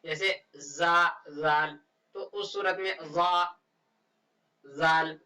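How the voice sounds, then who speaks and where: A man teaching how to read the Quran, spelling out Arabic letters and words one slow syllable at a time. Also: on the high side, steady tone, sharp tone, recorded from a distance, low-quality recording. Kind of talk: step-by-step recitation lesson.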